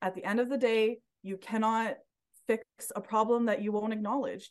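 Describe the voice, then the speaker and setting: At a moderate pace, a woman speaks with a Canadian accent in a fairly high pitch. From northern Alberta, Canada. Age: 30s. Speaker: municipal councillor. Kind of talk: interview. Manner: upbeat, lively.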